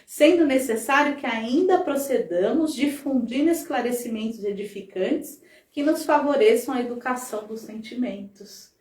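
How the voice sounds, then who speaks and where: Speaking at a normal speed in a somewhat high, slightly mellow voice, a woman gives a conversational talk at a spiritist center, peppering it with tag questions to the audience. She is far from the microphone, and the room sound is prominent.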